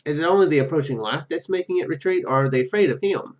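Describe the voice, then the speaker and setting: A man with a fairly high voice talks quickly while reading a game's story text for his let's play, fumbling words and tossing in casual remarks. The sound quality is lo-fi.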